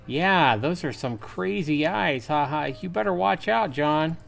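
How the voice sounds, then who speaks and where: Guy putting on a cocky teen high school dude, pitched up, slangy n jeering, visual novel bully type, music behind. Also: animated, a little slow, creaky, a bit bright, full character voice. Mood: mocking. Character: mocking teenage high school boy, brash and jeering.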